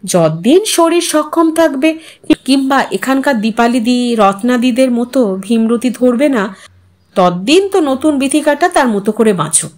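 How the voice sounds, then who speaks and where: Woman narrator as content older housewife in an audio story: talkative, earnest, reflective, fairly high voice. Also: animated, unhurried. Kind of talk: storybook character dialogue.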